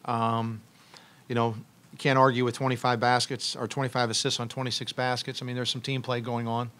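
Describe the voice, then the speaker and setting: A middle-aged man coaching a college basketball team fields questions after a game. He talks into a table mic in a press room, pausing, restarting and filling gaps with ums as he works out his answers. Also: medium pitch, level tone, fairly bright tone. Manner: halting, many restarts and ums, thoughtful. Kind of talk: postgame press conference. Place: press room with logo backdrop, seated at table. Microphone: table mic on stand.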